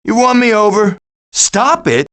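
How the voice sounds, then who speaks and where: In an animated video-game style, a man voices a cocky, wisecracking raccoon at the head of a band of foraging animals. His delivery is glib and sarcastic, pitched high, a little slow, and heavily acted.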